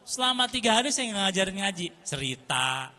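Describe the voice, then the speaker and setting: A man, giving a lively storytelling lecture to parents as an Islamic teacher, repeating phrases for emphasis. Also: high voice, moderate pace.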